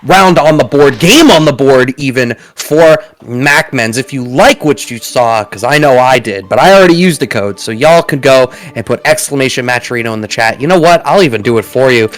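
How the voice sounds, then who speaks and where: A man commentating a fighting game tournament, excitable and animated, breaking into shouts at big plays. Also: medium pitch, moderate pace, hardly any pauses, rough recording. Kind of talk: esports play-by-play commentary. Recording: music playing underneath.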